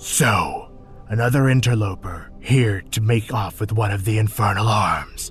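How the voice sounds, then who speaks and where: Clear music plays behind a man doing a put-on character voice at a medium pitch and moderate pace. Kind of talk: formal, archaic. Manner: accusatory, imposing.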